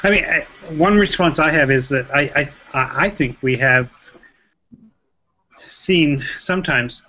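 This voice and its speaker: A man's voice: a little high, measured pace, pushed and bright. A middle-aged man hosting a video call discussion, friendly and chuckling, with hesitant restarts. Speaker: host.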